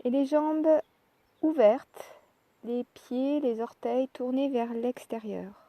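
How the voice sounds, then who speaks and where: A woman leading a guided yoga relaxation, speaking calmly and in measured short phrases with pauses. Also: high voice, no room sound. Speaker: yoga nidra relaxation instructor. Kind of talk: guided meditation, soft instructional narration.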